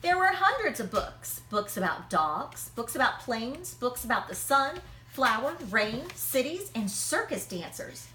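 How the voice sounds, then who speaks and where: Lively, bright-voiced woman reading to children. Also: fairly high pitch, roomy sound. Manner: expressive, dramatic pauses and emphasis. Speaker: librarian reading a picture book aloud. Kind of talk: animated children's read-aloud.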